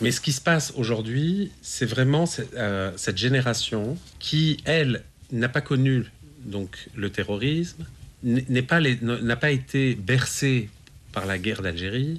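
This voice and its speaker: Somewhat breathy, a man at medium pitch talks with lively intonation. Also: fairly slow pace. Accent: French. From Algeria. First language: French (speaking Italian). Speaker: novelist. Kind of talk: interview.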